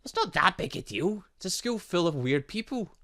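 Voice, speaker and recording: A man's voice: sits high, moderate pace. A man giving casual let's play commentary on a visual novel, reading aloud and reacting with exclamations. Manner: animated, exclaiming, reacting as he reads. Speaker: gaming channel host.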